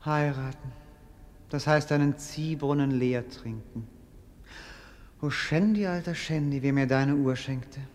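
An actor playing a melancholy, witty young prince in a classic radio play, eloquent and theatrical in a world-weary way. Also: male voice, mid-range voice, unhurried, long pauses, a little mellow, lightly acted. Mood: weary, scornful.

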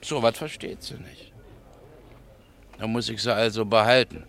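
Weimar radio-play womanizer: gravelly, lowish, terse, glum and sullen. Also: steady tone, a little slow, a bit bright, a little hiss or hum. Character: Reinhold, sullen womanizer weary of his girlfriend.

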